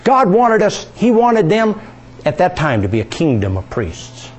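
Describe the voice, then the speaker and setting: A man's voice: sits high, wildly swooping pitch, measured pace, a little hiss or hum. A man preaching a sermon, reading scripture aloud and asking his congregation questions.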